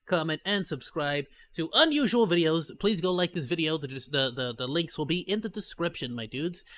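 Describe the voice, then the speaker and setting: A man streaming live, reacting to videos with loud laughs and excited outbursts. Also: a little high, normal speed.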